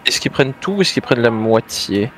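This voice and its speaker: A man's voice: mid-range voice, animated, fairly quick, a bit bright, a little hiss or hum. A man playing a tabletop role-playing game, casually talking through his move and the rules.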